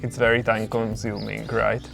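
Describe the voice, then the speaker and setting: A man's voice: lowish voice, little pitch movement, normal speed, creaky, fairly bright tone, soft background music. A man hosting a home vlog, chatting easygoing about cooking and his garden outdoors, laughing often. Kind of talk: relaxed home vlog chat.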